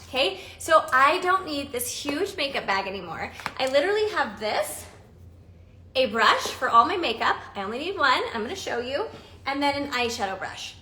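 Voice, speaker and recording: A woman's voice: on the high side, bright, forceful tone, reverberant, a little hiss or hum. A woman in her forties hosting a casual live stream, chatty and bubbly, laughing often as she talks through makeup. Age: 40s.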